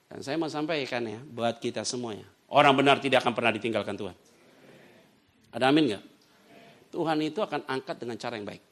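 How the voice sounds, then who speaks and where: A man's voice: mid-range voice, a little fast. A man preaching a sermon, telling stories and acting out the voices of the people in them. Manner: lively storytelling preacher who acts out dialogue. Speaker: pastor. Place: church.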